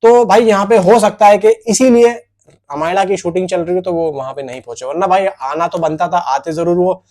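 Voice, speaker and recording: A man's voice: high-pitched, a little fast, a little mellow. A man presents film news. He speaks informally, as if chatting with his viewers, often putting questions to them and answering them himself. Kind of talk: casual film news commentary.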